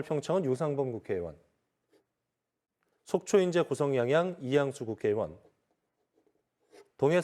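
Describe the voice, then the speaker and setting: Mellow-voiced male talk show host. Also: fairly high pitch. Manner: clear, even announcer delivery reading poll results. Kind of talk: broadcast panel moderation.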